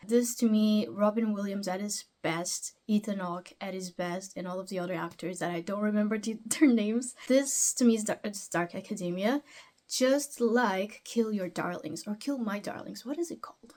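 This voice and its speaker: A woman's voice: mid-range voice, normal speed, darkish tone. A young woman, a book vlogger talking casually at home, chatty and rambling, often questioning herself aloud.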